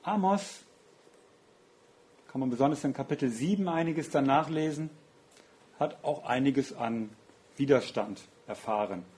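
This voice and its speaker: A man's voice: mid-range voice, unhurried, pauses often, a little mellow. A man preaching a sermon in an earnest, reflective way, often asking rhetorical questions.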